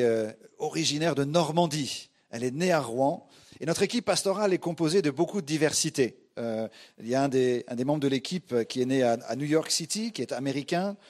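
A slightly mellow, medium-pitched male voice belongs to a French guest pastor who heads a church movement. He gives a sermon to the congregation in a halting, chatty way, regularly addressing the listeners themselves.

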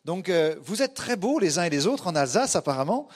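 A man's voice: sits high, sing-song, fairly quick. A man from France preaching to a congregation in a conversational, hesitant way, often addressing listeners directly. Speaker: guest pastor, church movement leader. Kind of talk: sermon to a congregation.

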